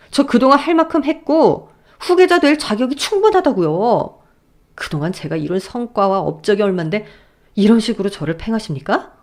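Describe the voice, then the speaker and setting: A woman's voice: medium pitch, a little mellow. A woman voicing a grovelling, scheming young husband in a raised, whiny voice while reading a story aloud. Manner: whiny and pleading, then defiant. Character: scheming son-in-law, grovelling then brazen.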